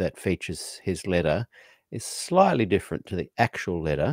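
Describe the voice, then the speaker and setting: In an Australian accent, a man with a very deep, low pitch is recorded with a dry, close sound, no echo, and a very clean, silent background. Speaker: podcast host. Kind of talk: interview with reading aloud.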